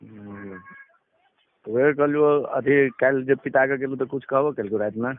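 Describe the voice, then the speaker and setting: A man's voice: medium pitch, moderate pace. A man with a Maithili accent, chatting casually over a phone call. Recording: tinny narrowband phone line.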